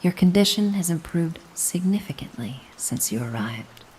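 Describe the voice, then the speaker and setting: A woman playing a gentle, doting, mysterious caretaker in a soothing hypnosis roleplay, coaxing and reassuring the listener. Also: lowish voice, animated, moderate pace, a little hiss or hum, natural voice, rough recording. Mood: hypnotic, tender. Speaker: hypnosis audio performer.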